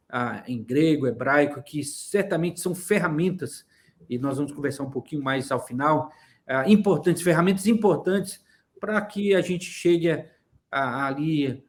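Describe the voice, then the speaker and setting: A man's voice: a little high, a little mellow. A man hosting a church interview who asks long, winding questions full of hesitations and fillers.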